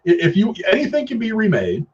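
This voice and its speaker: Middle aged guy with a husky voice just talking movies, repeats himself to make a point, kinda muffled lo-fi recording. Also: high voice, huge pitch swings, quick pace, a little mellow. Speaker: film review show host. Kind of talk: casual opinionated film discussion. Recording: dull, lo-fi sound.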